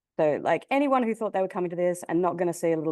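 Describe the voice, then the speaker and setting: Over a quiet background, a woman with a fairly low pitch speaks in an animated tone. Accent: Australian. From Australia (Sydney). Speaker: accessibility professional and conference speaker. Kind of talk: conference talk.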